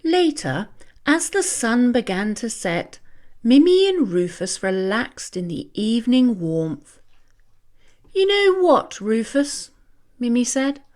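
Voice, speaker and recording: A woman narrating a children's storybook in a theatrical, expressive read-aloud style. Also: on the high side, takes it slowly.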